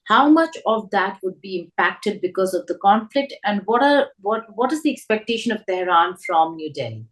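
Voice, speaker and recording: Female interviewer, average pitch, probing news questioning, restates her questions. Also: very animated, normal speed, rough recording.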